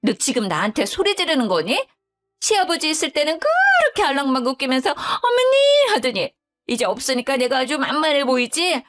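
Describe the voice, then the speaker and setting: A woman's voice: high voice, big pitch swings, a little fast, a bit bright, soft background music, pitched above the performer's own voice. A woman voicing a grumbling, self-pitying widowed mother-in-law who speaks curtly. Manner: curt, self-pitying, sighing.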